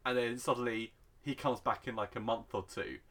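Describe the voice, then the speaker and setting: A man's voice: mid-range voice, steady tone, normal speed, a crowd in the background. A man co-hosting a podcast, chatting casually, laughing often and slipping into silly voices. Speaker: podcast co-host. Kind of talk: casual chat with impressions.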